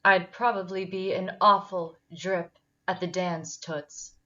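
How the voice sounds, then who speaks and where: A woman's voice: on the low side, steady tone, takes it slowly, sharp tone. A woman playing a volatile, wounded, defiant teenage girl in a dramatic table read, over dull lo-fi audio. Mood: subdued, hardened. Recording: dull, lo-fi online call audio.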